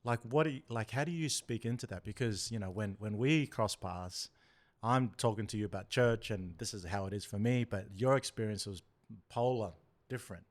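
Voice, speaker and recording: Affirming podcast host, lowish voice. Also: male voice, moderate pace. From Samoan. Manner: affirming, frequent "yeah", rambling questions. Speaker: podcast host and church minister. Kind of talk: podcast interview.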